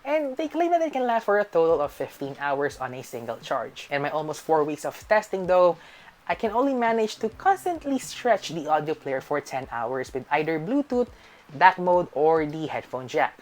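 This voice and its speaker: Low-pitched Filipino-accented woman reviewer. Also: big pitch swings, moderate pace. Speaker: tech reviewer. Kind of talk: scripted review narration.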